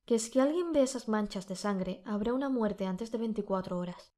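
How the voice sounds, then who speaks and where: A woman voicing a sly older fisherman who talks in a soft, honeyed, persuasive way. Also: medium pitch, lively intonation, normal speed, lightly acted. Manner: soft, smooth and coaxing.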